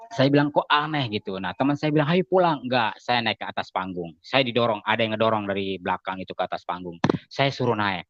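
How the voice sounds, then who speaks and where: A man giving a casual spoken testimony as an interview guest, telling his story in an animated way and acting out the lines of other people. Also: no echo. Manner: animated storytelling, acting out quoted dialogue with raised pitch. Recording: dull, slightly lo-fi dry sound.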